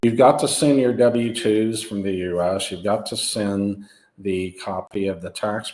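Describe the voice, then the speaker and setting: Using a normal speaking voice, a man talks at a moderate pace with ordinary pitch variation. His pitch sits fairly low. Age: 50s. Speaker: tax expert. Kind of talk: webinar presentation. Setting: live-streamed webinar. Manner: casual, with fillers.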